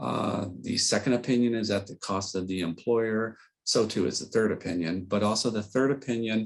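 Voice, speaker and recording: With fairly even intonation, a man speaks in a normal speaking voice. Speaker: government labor investigator. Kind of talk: webinar presentation. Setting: online webinar.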